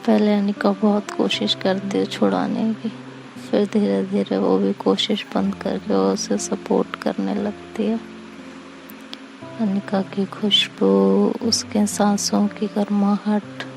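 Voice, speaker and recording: A woman narrating a romantic story in a soft, unhurried way. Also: mid-range voice, gravelly.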